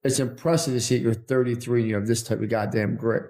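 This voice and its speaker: A man's voice: mid-range voice, fairly even intonation, fast talker, mellow. Blunt podcast host guy w/ an accent, middle voice, teasing and a bit crude. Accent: non-native English. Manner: blunt, brash, teasing, swears. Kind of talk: casual interview.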